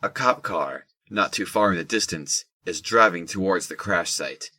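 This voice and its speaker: A man's voice: deep voice, moderate pace, bright, forceful tone, no room sound. A man narrating a scripted audio drama.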